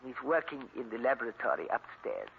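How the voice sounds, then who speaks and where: An actor playing a polite, guarded Hindu professor in a formal, stilted 1940s radio style. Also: male voice, mid-range voice, lively intonation, brisk, creaky. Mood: guarded, courteous. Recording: tinny, noisy 1940s radio recording.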